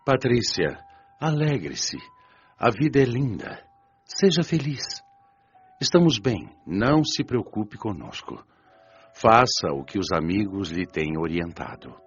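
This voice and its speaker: Radio drama father: wise, comforting Brazilian man, deep solemn voice, light music beneath. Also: sing-song, slow pace, slightly rough, exaggerated voice. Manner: solemn, reassuring. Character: wise, prudent, comforting father of a grown daughter. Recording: lo-fi band-limited audio, music behind.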